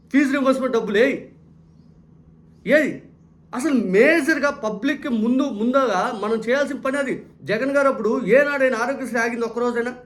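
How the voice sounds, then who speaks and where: A man's voice: very high-pitched, a bit bright. A man delivering a heated political commentary monologue, firing rhetorical questions and repeating his points.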